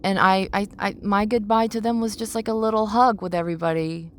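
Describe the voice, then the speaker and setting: A young adult woman talking through personal reflections as a podcast host, halting and searching for words as she repeats phrases. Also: medium pitch, steady tone, a little hiss or hum.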